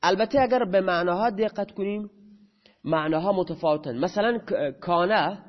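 A man's voice: sits high, muffled recording. A man teaching grammar in a lecture, who asks his students questions and then answers them himself.

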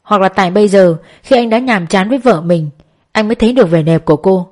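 A woman narrating a novel as an audiobook in a steady storytelling manner. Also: mid-range voice, fast.

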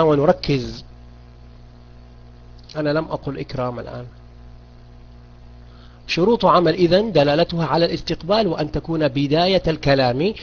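A man teaching a beginners' grammar lesson online, questioning students and repeating key points. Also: fairly high pitch. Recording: dull lo-fi audio.

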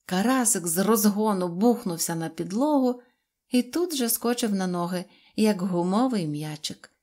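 A woman narrating a children's tale in an even, clear storytelling voice. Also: mid-range voice, moderate pace.

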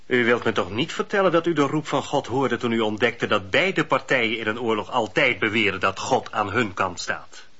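Sceptical, sharp-voiced male judge. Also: mid-range voice, lively intonation, normal speed, few pauses. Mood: measured doubt. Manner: formal, dry questioning. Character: sceptical, courteous male judge, probing and reproachful. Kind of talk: radio drama acting. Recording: dull, lo-fi radio play recording.

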